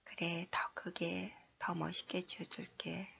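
A gentle, indulgent young father from a storybook, read by a woman. He answers softly in a low, husky half-whisper with heavy gravel. The lo-fi recording sounds muffled. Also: monotone, unhurried, heavily acted. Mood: tender. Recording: dull lo-fi recording.

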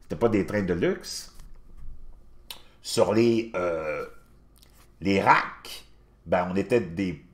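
A man in his fifties with a Québécois accent, telling a personal story in a casual, animated way and talking straight to the listener. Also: deep voice. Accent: Québécois French. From Quebec. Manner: animated, addresses the listener directly.

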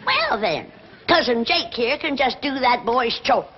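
Cantankerous old backwoods granny. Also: female voice, high voice, wildly swooping pitch, a little slow, background noise, exaggerated voice. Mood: tart. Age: older. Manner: tart, stubborn, folksy sayings. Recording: dull 1960s TV audio with laugh track.

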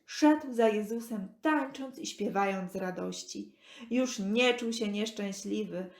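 Slow, echoey woman storyteller. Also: mid-range voice, vocal fry. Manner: expressive, deliberate phrasing with pauses. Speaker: narrator. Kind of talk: scripted children's Bible storytelling. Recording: echoey room.

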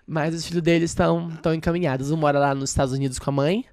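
A woman, a podcast guest telling her stories in a lively, slangy way with quick laughs. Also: deep voice. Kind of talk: casual interview chat.

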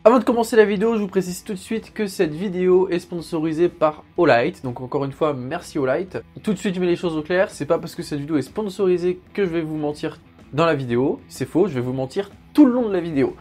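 A man's voice: a little high, quick pace, a little mellow, soft background music. A man hosting a sponsored unboxing video, talking in a chatty, joking way and explaining each step, with frequent fillers. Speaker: channel host reviewing gear. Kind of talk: sponsored product unboxing vlog.

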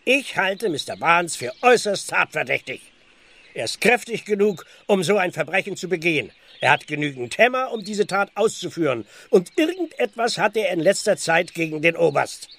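A stubborn village constable in a radio drama. His fairly high male voice is husky and swings widely in pitch. He is officious, with a streak of dry irony. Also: sing-song, normal speed, fairly bright tone, exaggerated voice. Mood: insistent. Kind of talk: German radio play acting.

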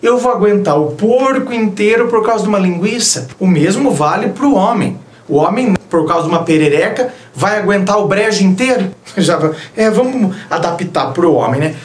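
A Brazilian man with a high-pitched voice talks straight to his viewers about relationships. He is blunt and teasing. His voice rings with the echo of a roomy space. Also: animated, moderate pace, hardly any pauses, a little hiss or hum. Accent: Brazilian Portuguese. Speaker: relationship advice youtuber. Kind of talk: casual advice monologue.

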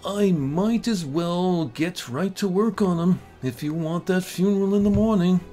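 A man acts out a coolly practical undertaker from a horror comic, talking shop in a matter-of-fact way. The voice is a touch high, with light music behind it. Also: measured pace, mellow. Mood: businesslike. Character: businesslike, coolly practical male small-town undertaker.

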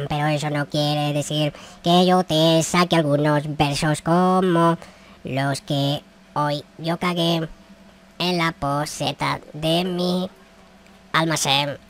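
A man's voice: a little high, a bit bright. A man creating gaming videos, improvising a slangy, rhyming comic outro in a playful manner. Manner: playful mock threats, slangy.

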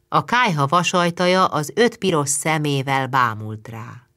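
A woman narrating a literary audiobook in a calm, measured way. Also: deep voice. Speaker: audiobook reader.

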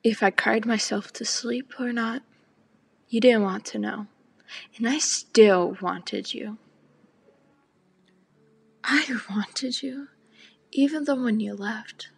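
Teenage girl, fairly high voice, breathy half-whispers, spoken word recitation. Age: teens. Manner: slow and deliberate, partly whispered.

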